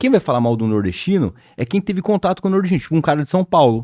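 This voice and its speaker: A man talks at a very fast pace in a high pitch with very wide pitch swings. The sound is dry and close, with no echo. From southern Brazil, Curitiba. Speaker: entrepreneur, barber. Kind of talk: casual interview chat.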